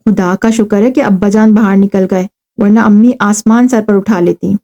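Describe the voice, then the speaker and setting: A woman's voice: medium pitch, fairly even intonation, warm tone, lo-fi sound, lightly acted. A woman voicing Angela, a playful young noblewoman who teases her friend. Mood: confiding. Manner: teasing, confiding.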